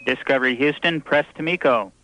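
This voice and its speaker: A man's voice: a little high, brisk, lo-fi sound, slight background noise. Man on a radio transmission link. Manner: clipped, procedural. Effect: radio air-to-ground transmission. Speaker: mission control radio operator. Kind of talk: terse radio callouts.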